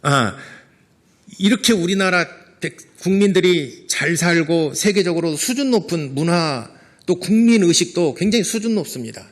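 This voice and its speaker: A man's voice: high-pitched, expressive, normal speed. A middle-aged man preaching a sermon as a pastor, earnest, sometimes acting out prayers.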